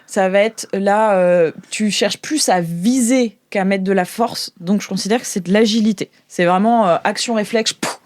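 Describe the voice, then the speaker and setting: A woman leads a tabletop role-playing session as game master. Her pitch sits mid-range for a woman and her delivery is conversational, dotted with mouth-made sound effects. The recording is dry, with very little room. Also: moderate pace, hardly any pauses, a little mellow, dry recording. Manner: conversational, illustrates action with vocal sound effects. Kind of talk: improvised tabletop role-play narration and banter.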